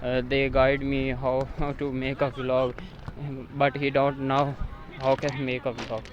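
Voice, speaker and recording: A man whose first language is Urdu, vlogging outdoors in halting English full of hesitations. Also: mid-range voice, little pitch movement, lo-fi sound, slight background noise. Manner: halting non-native English, frequent uh fillers. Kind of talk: casual outdoor vlog. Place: outdoors in a village near a road.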